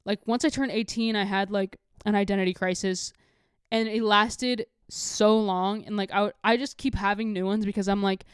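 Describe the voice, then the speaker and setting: Candid young woman podcaster, smooth clear voice. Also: mid-range voice, steady tone, moderate pace, no echo, studio quality. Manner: rambling, heavy use of "like", candid. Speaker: podcast host. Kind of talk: casual confessional solo talk to viewers.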